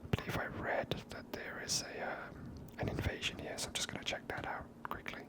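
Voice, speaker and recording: Casting: hushed ASMR game streamer, whispered delivery throughout, unvoiced and soft. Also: a little fast.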